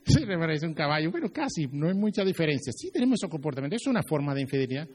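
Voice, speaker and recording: A male pastor giving a lively sermon, acting out little scenes as he preaches. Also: a little high, very fast, breathy edge, in a large hall.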